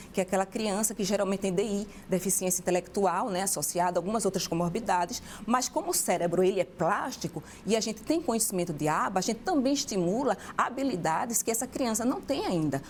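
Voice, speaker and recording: A woman with a northeastern Brazilian accent speaks at a fairly quick pace with medium pitch and lively intonation. Noticeable background noise is present. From Brazil, Pernambuco (Jaboatão dos Guararapes). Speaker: educational psychologist. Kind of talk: TV interview. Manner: hesitant fillers.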